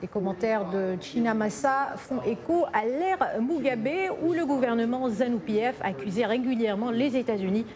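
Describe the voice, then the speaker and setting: A woman's voice: a little high, moderate pace, few pauses, crowd noise. Woman presenting radio news. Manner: fluent with occasional fillers.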